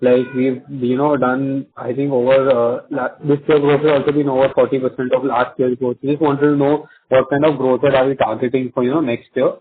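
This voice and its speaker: An Indian man, an investment analyst phoning into an earnings call, asking polite questions in hesitant, halting phrases. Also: mid-range voice, level tone, slightly rough. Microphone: telephone. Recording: tinny phone line with faint noise.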